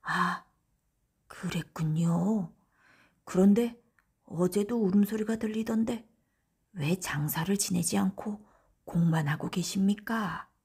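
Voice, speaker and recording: A woman's voice: mid-range voice, slow, long pauses, darkish tone, slightly rough, full character voice. A woman voicing a humble, curious male salt peddler in a folktale storybook, polite and earnest in manner.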